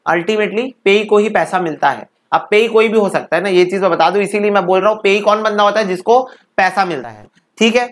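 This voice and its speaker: A man's voice: high-pitched, brisk. A man teaching an exam-prep law lecture, breaking definitions into phrases and asking his students to repeat them, then asking and answering his own questions.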